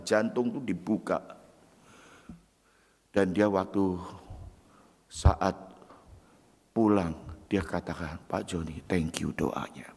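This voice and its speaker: An older man, a pastor, preaching a sermon and telling stories. He moves from loud, emphatic preaching to hushed, quiet storytelling. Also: lowish voice, in a large hall. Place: church sanctuary.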